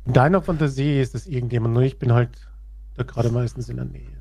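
A man's voice: medium pitch, fast talker, gravelly, dark tone, no room sound. A man in casual comedic podcast chat, laid-back and a bit defensive. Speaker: podcast co-host.

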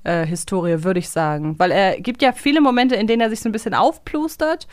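A woman's voice: mid-range voice, fast, no echo, studio quality. A woman co-hosting a casual podcast discussion, speaking reflectively and weighing her opinions. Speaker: podcast co-host.

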